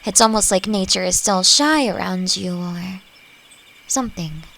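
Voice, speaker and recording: A woman playing a friendly, playfully teasing elf who teaches magic, speaking gently and reflectively in a roleplay audio drama. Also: mid-range voice, unhurried, vocal fry. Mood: thoughtful, gentle. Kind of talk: scripted roleplay audio drama addressed to the listener.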